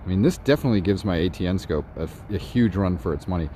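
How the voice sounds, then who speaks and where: A man reviewing gear in a casual night vlog, walking outdoors in a suburb and talking excitedly about what he sees. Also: deep voice, fast, slight background noise. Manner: excited, narrating while walking. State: slightly out of breath.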